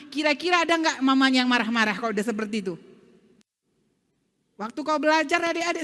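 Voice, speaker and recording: A woman teaching a children's Sunday school lesson, lively and coaxing, asking the children questions. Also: high voice. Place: church hall. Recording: church live stream with long reverb.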